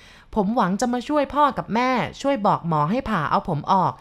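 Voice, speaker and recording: A woman's voice: a little high, very animated, a little fast, voice pushed up. A woman doing a pleading ghost boy.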